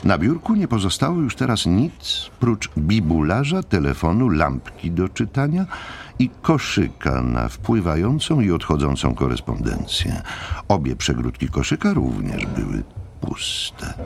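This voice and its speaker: Male narrator for dramatized novel: extremely low, expressive delivery, faint ambience behind. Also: measured pace, vocal fry, slight background noise. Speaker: audiobook narrator.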